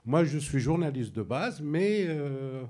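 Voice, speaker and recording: Slow, emphatic Algerian man speaking up. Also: fairly high pitch, lively intonation, warm tone. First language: Arabic. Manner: emphatic, halting, with abrupt drops. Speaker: audience member, filmmaker. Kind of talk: public debate question from the floor.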